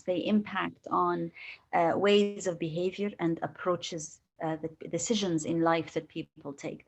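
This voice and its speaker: A woman answering as a guest expert on a virtual panel, deliberate and emphatic, building her points step by step. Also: mid-range voice, slight background noise, poor audio. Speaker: guest speaker answering questions. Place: online video call.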